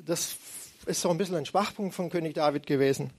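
Conversational male preacher, higher voice. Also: brisk, darkish tone. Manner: conversational storytelling, retells scripture in everyday speech. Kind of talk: sermon.

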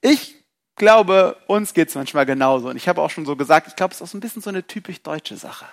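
A man with a slightly high, creaky voice preaches a lively sermon at a brisk pace. He fires off rhetorical questions and acts out what people are thinking.

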